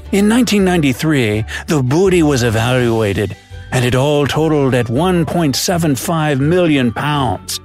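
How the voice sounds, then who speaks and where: A boastful old pirate spins treasure yarns in a hammy, drawling pirate brogue, as a man puts him on. His pitch leaps and dips all over, sitting fairly high. Faint music plays under the narration. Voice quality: pirate slang, theatrical drawl. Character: old male pirate storyteller, boastful and greedy. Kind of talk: scripted narration.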